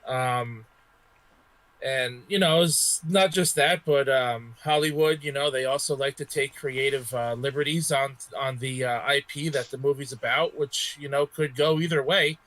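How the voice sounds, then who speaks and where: Guy on a panel chat, average pitch, halting, stops and starts a lot. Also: fairly bright tone, low-quality recording. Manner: halting, hesitant delivery with many pauses. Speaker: panel guest. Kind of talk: casual discussion.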